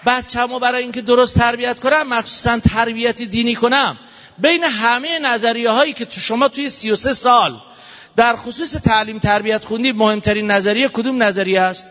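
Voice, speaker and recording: High bright-voiced male preacher. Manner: animated, playful, prompting applause. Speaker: religious speaker. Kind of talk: lively sermon to a live audience. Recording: dull audio in a long-reverb hall.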